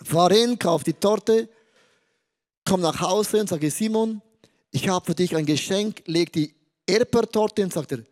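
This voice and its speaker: A male pastor with a high voice delivers an energetic sermon. He tells stories about his family and acts out the dialogue. His voice jumps between loud and soft as he quotes people. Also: a little slow. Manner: animated, acts out quotes with shifting pitch and loudness.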